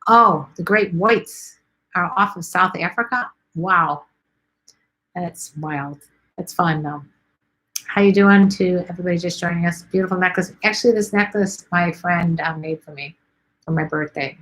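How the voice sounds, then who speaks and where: Woman, middle-aged, from Chicago, live stream host, casual chat, rambling, somewhat low voice. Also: a little slow, a bit bright, rough recording. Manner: chatty, rambling, many ums and let's sees. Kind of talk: casual live chat reading viewer comments.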